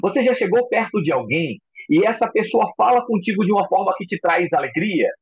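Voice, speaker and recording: A man teaching a recorded psychoanalysis lecture in an expressive way, acting out example voices. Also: high voice, a little fast, husky, dry recording, dull audio. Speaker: psychoanalysis instructor.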